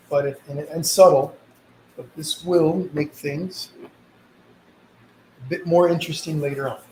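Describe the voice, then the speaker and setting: A painting instructor hosting a live session speaks in a higher, darkish voice, sniffling slightly from a mild cold. His casual tutorial is reassuring and easygoing. Echo and a bit of background noise come through.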